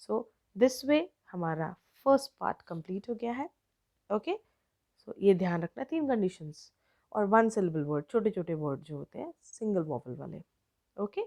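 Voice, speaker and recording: A woman with an Indian accent teaching an online grammar lesson, explaining slowly word by word and switching between Hindi and English. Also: medium pitch, expressive, vocal fry, dark tone.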